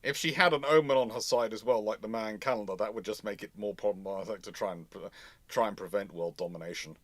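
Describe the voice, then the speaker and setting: A man's voice: fairly low pitch, quick pace, a bit bright, no echo. A man hosting an unscripted history discussion, thinking aloud and often rephrasing as he answers questions. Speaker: host answering audience questions.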